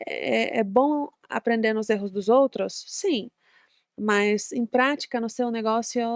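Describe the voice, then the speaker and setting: At a very slow pace, a woman with a non-native accent and fairly high pitch speaks with fairly even intonation in a dry, close sound with no echo. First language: not Portuguese (speaking Portuguese). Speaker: entrepreneur. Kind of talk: podcast interview.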